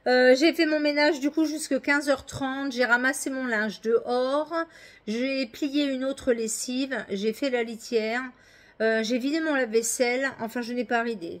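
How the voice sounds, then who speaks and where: A middle-aged woman chatting casually in a home vlog, rambling with many hesitations. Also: a little high. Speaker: vlogger. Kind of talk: casual daily vlog chat. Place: at home indoors.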